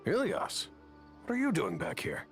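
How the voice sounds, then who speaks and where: A man voicing a stern, weary, disapproving middle-aged father in an anime-style video game, with a gravelly voice. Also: a little high, huge pitch swings, moderate pace, soft background music. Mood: surprised.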